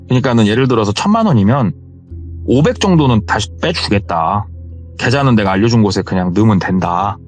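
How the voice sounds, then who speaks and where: Lively male horror storyteller. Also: fairly low pitch. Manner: conversational, retelling what he heard.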